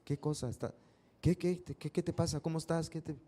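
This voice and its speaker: A man voicing a gentle, caring mother who soothes her son, soft and reassuring. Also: on the high side, fairly even intonation, brisk, lightly acted. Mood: worried.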